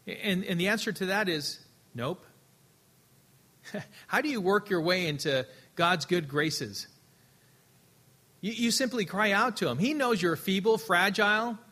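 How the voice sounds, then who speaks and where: A man preaching a sermon earnestly, his voice swelling louder and then dropping soft, often repeating words as he restarts. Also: sits high, animated, measured pace, pauses often. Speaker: pastor.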